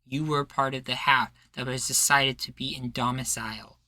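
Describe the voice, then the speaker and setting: A man's voice: medium pitch, steady tone, normal speed, sharp tone, dry recording. A man playing an earnest, persuasive rebel leader in a roleplay, making speeches with a folksy turn of phrase. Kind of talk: roleplay ASMR acting.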